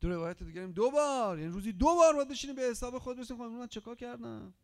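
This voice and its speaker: High-voiced guy with a gravelly edge giving a sermon, goes from loud to almost whispering, keeps asking questions. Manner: impassioned, swings between loud exhortation and hushed whispering; rhetorical questions pressed on the listener. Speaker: preacher. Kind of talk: Muharram religious sermon.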